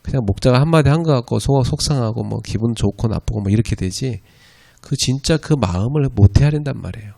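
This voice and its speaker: Medium-pitched, fairly quick and dark-toned with vocal fry, this pastor delivers a conversational sermon lecture for a church evangelism school. He often checks in with his audience, peppering his talk with "예" and "그죠?".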